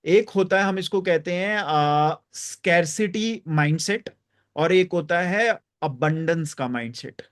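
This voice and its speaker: High-voiced man hosting a reflective talk. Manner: emphatic, drawn-out stress on key phrases; warm, encouraging invitations to share. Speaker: host and reflection guide. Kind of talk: reflective talk to a live group.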